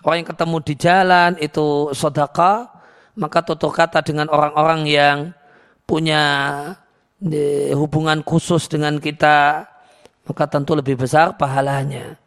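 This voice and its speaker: Calm man teaching an Islamic lecture. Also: a little high, normal speed, creaky, pauses often. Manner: calm, repetitive, explaining with many restarts; recites Arabic verses then translates. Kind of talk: religious lecture on hadith.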